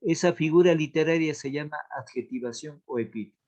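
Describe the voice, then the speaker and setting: A man teaching a literature class, explaining slowly and repeating key terms so students can take notes. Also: fairly high pitch, a little mellow. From Latin America. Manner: slow, repeats key terms for note-taking. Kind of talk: classroom lesson.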